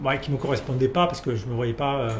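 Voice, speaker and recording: A man's voice: mid-range voice, quick pace, a little hiss or hum. A man, a winemaker guest talking through his career with a lot of fillers and restarts. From Perpignan, France. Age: 40s. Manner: hesitant, many fillers and restarts. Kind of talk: casual interview. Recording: echoey room with faint ambience.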